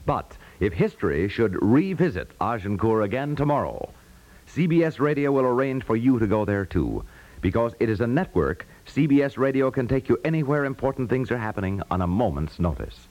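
An American man announcing on 1950s radio, reading a script in a formal, measured manner. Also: medium pitch, very animated, a little mellow, muffled recording. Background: music.

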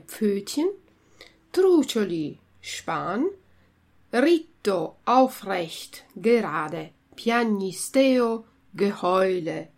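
A woman reading a story aloud expressively, then reading out a vocabulary list as a teacher. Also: medium pitch. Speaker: reader and language teacher.

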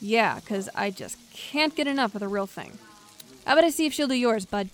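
A woman's voice: a little high, expressive, a little fast, natural voice. An actress playing a flippant, awkward woman scientist in an audio drama, with a casual, slangy, blurting manner. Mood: dry, teasing. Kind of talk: naturalistic audio drama acting.

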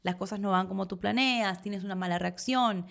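A woman, co-hosting a casual chat with her partner in an expressive, emotional way. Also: medium pitch, normal speed, gravelly. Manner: expressive, emotional, laughs easily. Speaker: co-host.

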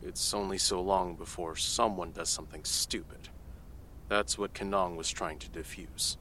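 A man's voice: low-pitched, steady tone, moderate pace, sharp tone, slight background noise. A man playing a CIA analyst giving testimony in an audio drama, matter-of-fact and growing incredulous. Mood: skeptical. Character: guarded male CIA analyst under questioning.

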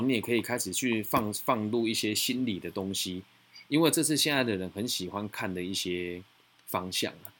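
A low-voiced man hosting a podcast chat. He talks quickly and with a husky edge, frank and teasing as he hands out advice. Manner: frank, teasing, fast and animated. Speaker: podcast host and mentor.

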